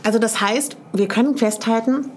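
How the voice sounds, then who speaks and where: A woman's voice: a little high, moderate pace, husky. A woman interviewer asking long, empathetic leading questions in a conversational interview.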